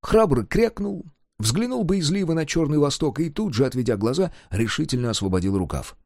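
A man's voice: fairly high pitch, normal speed, no echo, clean studio sound. A man reading a folk-tale style novel aloud as scripted audiobook narration, also reading out footnotes. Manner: lively storytelling, reads out footnotes. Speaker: audiobook reader.

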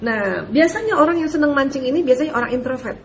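A woman preacher answers listener questions in a casual, chatty way. Her voice sits fairly high and is animated, with frequent rhetorical questions and light laughter. A faint hum of ambience is heard behind her. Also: fast. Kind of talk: casual advice talk.

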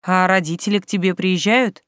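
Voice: mid-range voice, steady tone, moderate pace, a bit bright, dry recording, natural voice. Reader putting on a bashful young girl: curious, eager, lightly raised, dry.

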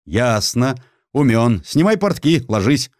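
A man voicing a coarse, decisive nineteenth-century governor in an audiobook, gruff, curt and peremptory. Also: medium pitch, big pitch swings, takes it slowly, no echo, clean studio sound. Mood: scornful, commanding. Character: blunt, commanding 19th-century Russian governor, coarse and decisive.

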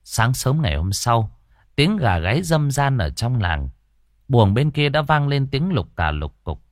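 A man narrating a ghost story in a lively, expressive reading. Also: mid-range voice, a little slow, dry recording, studio quality.

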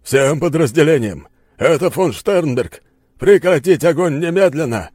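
A man's voice: mid-range voice, animated, brisk, dry recording, studio quality, voice pushed up, natural voice. A man voicing an arrogant, furious middle-aged enemy general who barks orders in an audiobook. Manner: shouting, barking orders. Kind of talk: audiobook character voice.

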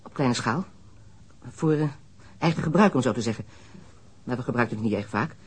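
An actor playing a defensive young male smuggler under police questioning in a radio drama, evasive and quick to protest. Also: mid-range voice, expressive, husky. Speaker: suspect under interrogation.

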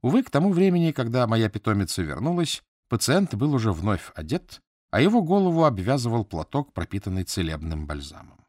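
A man reading an audiobook as scripted narration, measured and even. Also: mid-range voice, dry recording, clean studio sound.

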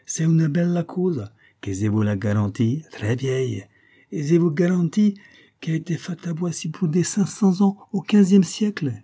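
A man's voice: fairly high pitch, normal speed, mellow, husky, pitched above the performer's own voice. A man voicing a courteous, insistent Italian jeweller, with an Italian accent and emphatic sales patter. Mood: insistent selling.

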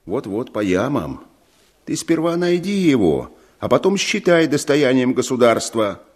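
An actor playing a blunt, skeptical village comrade in a radio play. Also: male voice, medium pitch, big pitch swings, unhurried, darkish tone, husky.

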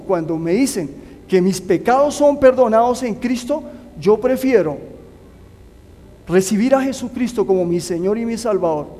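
A man's voice: high-pitched, dark tone. A man preaching a sermon, earnestly urging his listeners to put their trust in God. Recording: long hall reverb.

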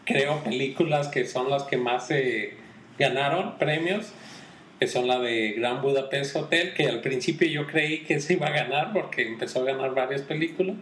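A man's voice: mid-range voice, normal speed, a bit bright. A man chatting casually about films on a podcast, hesitant and often restarting his sentences. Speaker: podcast co-host, film commentator. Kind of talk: casual chat. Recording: roomy echo with faint background noise.

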